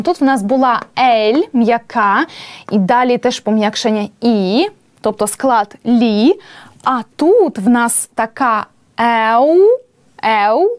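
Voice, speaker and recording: High-voiced woman teaching patiently. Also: darkish tone, no room sound. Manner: patient, explanatory, slow careful spelling of examples. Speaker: language teacher. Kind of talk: classroom lesson at a board.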